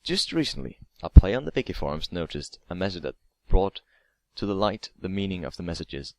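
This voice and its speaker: A man's voice: low-pitched, big pitch swings, a little fast, a little mellow, no room sound. A man reading a scripted creepypasta story aloud as narrator, now and then stumbling over and repeating words. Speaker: narrator of online horror stories.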